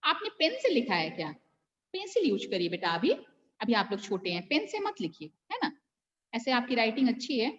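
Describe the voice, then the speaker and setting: A woman's voice: fairly high pitch, sing-song, a little fast, lo-fi sound. An Indian woman teacher running an online class, patiently correcting pupils and calling them by name. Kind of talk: online class checking homework. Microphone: video call.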